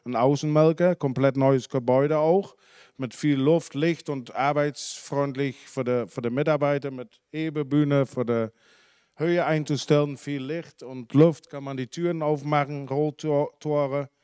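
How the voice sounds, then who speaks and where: A man in his forties from the Netherlands, a dairy farmer speaking German with a Dutch accent, giving a halting talk full of fillers and self-corrections into a handheld mic in a conference hall. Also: a little high, steady tone, a little mellow, clean tone, studio quality. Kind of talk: unscripted talk at a symposium. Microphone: handheld microphone.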